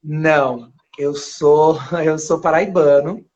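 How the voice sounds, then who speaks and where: A man from Paraíba who grew up in São Paulo and speaks with a São Paulo accent, a guest actor chatting casually in an interview, rambling with restarts and soft laughs. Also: a little high, steady tone, slow. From Paraíba, Brazil. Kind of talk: casual interview on a live stream. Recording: dull lo-fi live stream audio.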